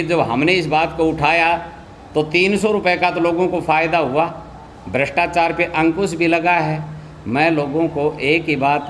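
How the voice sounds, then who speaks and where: A man with a slightly high-pitched voice gives a press statement as a local politician. He is insistent and accusatory, often repeating his points. There is faint noise behind him. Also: fairly bright tone. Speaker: local politician and anti-corruption campaigner.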